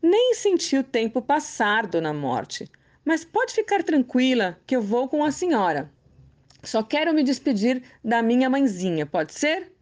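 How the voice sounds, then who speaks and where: A woman voicing a crafty, cheerful old man who talks calmly and teasingly in a storybook tale. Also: on the high side, unhurried. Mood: sly, teasing. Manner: sly, calm, teasing.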